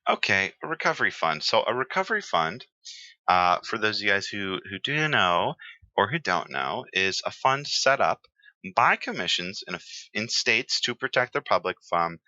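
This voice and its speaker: A man teaching real estate exam terms in a relaxed, chatty lecture, with many fillers and pauses. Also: on the low side, no room sound, highs cut off.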